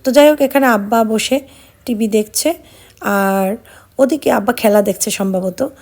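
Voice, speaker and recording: A middle-aged woman from Bangladesh narrating her vlog in a soft, subdued, reflective way, sounding sad and tired. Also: fairly high pitch, moderate pace. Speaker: vlogger.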